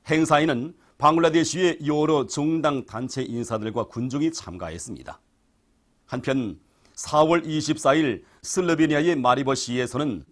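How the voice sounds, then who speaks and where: A man with a North Korean accent reading a scripted state television news bulletin in a formal, solemn manner. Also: mid-range voice. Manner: formal, solemn broadcast delivery.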